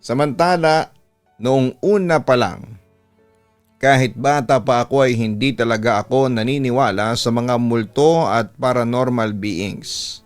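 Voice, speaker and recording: A man's voice: medium pitch, a little slow. A man reads a first-person story as dramatic scripted narration, like a radio storytelling host. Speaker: radio storytelling host reading a listener's letter. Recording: background music under the voice. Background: music.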